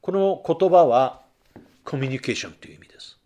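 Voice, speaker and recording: A man's voice: mid-range voice, expressive, fairly quick, dark tone. A male pastor giving a sermon in a conversational manner, asking the congregation questions and rising to emphatic bursts.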